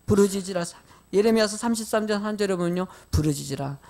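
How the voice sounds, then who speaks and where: A man's voice: very high voice, big pitch swings, a little fast. A middle-aged male pastor preaching a sermon, questioning the congregation directly and telling folksy, lightly humorous stories.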